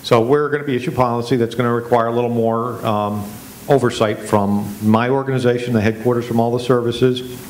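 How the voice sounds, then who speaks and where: A man's voice: medium pitch, steady tone, a little fast, darkish tone, a little hiss or hum, rough recording. A man who heads a facilities management office, explaining policy on a panel discussion.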